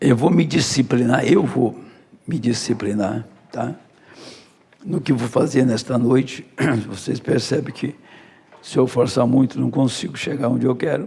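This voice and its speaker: Through noticeable background noise, a man speaks with long, frequent pauses. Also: medium pitch for a man, ordinary pitch variation, fairly slow pace. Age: 70s. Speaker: pastor. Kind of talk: sermon. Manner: halting.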